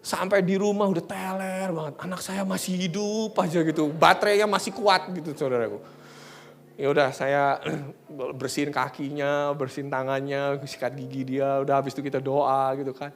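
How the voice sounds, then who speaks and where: A middle-aged male pastor preaching a sermon, telling a personal story in a humorous, conversational way, at times dropping to hushed tones. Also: on the high side, steady tone, moderate pace, slight background noise.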